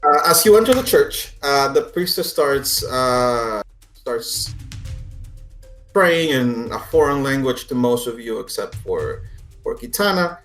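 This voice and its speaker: A man running a tabletop game, narrating and explaining in a halting, conversational way as game master. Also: mid-range voice, animated, fairly bright tone, faint music behind. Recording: echoey room.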